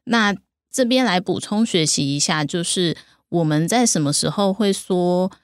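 A woman hosting an English lesson, guiding a casual chat briskly with follow-up questions. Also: on the low side, lively intonation, clean tone, dry recording, clean studio sound. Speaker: host.

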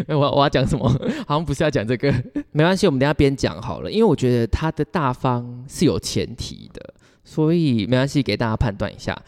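A man speaks Mandarin with a Taiwanese accent in a very lively, swinging intonation. He tells stories casually, giggly and rambling, like a podcast co-host. His voice rings with a long reverb. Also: mid-range voice, fairly quick. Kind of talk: casual chat, personal storytelling. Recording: reverberant, hall-like sound.

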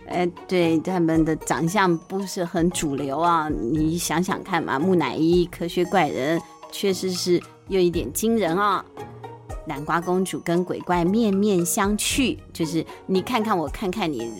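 A woman with a Taiwanese Mandarin accent, hosting and narrating children's bedtime stories in an expressive, chatty way with explanatory asides. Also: on the low side. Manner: expressive, chatty explaining with sentence-end particles. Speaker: podcast host and storyteller, a mother.

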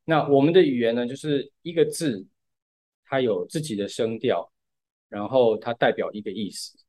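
A man talks through a music topic on a casual podcast. His voice sits at an ordinary middle pitch. He is patient and explanatory, and he leans on frequent filler words as he goes. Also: moderate pace, darkish tone. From Taiwan. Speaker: podcast co-host.

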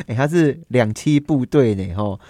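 A man's voice: mid-range voice, expressive, takes it slowly, mellow, no room sound, clean studio sound. A man with a Taiwanese accent hosting a casual radio interview, joking, interjecting and wandering playfully off topic. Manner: playful, joking, often interjecting and going off on tangents. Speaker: radio show host.

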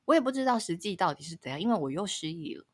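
Female podcast co-host, lively storyteller who laughs a lot. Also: on the low side, racing. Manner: animated storyteller, laughs often, rises sharply at dramatic moments. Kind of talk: casual chat, telling a story.

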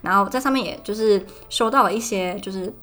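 A woman's voice: mid-range voice, a little fast, fairly bright tone. A young woman in her twenties with a Taiwanese Mandarin accent, hosting a casual podcast and ranting in a chatty monologue. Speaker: podcast host. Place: student dorm room. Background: faint background music.

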